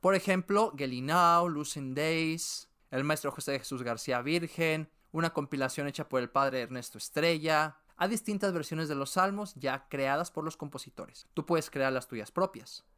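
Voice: medium pitch, moderate pace, hardly any pauses, a bit bright, clean tone. A podcast host, methodically explaining liturgical chant and repeating key terms step by step.

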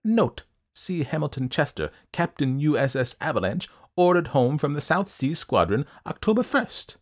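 Audiobook villain, voiced by a man: eccentric little male schemer, high and swooping, formal, smugly menacing. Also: sing-song, normal speed. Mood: businesslike. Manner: formal, precise, clipped delivery. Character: menacing, eccentric little old-fashioned schemer, self-satisfied, coughing.

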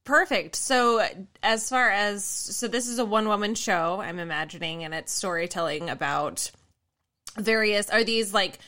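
A woman's voice: medium pitch, moderate pace, pushed and bright. A woman hosting an interview podcast, chatting casually and laughing often. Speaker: podcast host.

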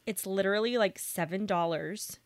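A woman's voice: medium pitch, moderate pace, dry recording. Gushing woman, dry close sound. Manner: gushing, enthusiastic recommendations. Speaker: podcast co-host. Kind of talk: casual chat.

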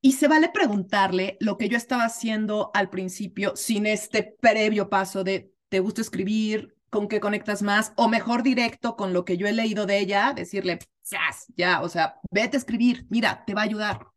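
A woman student in a coaching class asks her teacher questions. She talks in a hesitant, questioning way. Her pitch sits in the middle. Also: moderate pace, hardly any pauses. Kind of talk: class discussion.

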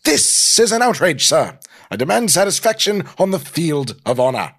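Snobbish British gent, pitched high, pompous and florid, swooping delivery. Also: male voice, big pitch swings, moderate pace, fairly bright tone, breathy edge, exaggerated voice. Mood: indignant. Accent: put-on British. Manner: pompous, florid, over-enunciated. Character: haughty, snobbish British gentleman coffee patron, easily outraged.

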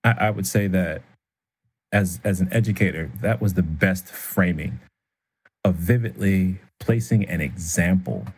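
A man co-hosting a casual talk show in a very low voice. It has a husky edge, yet his delivery is smooth and radio-like. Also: measured pace. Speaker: podcast co-host. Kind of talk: casual conversation.

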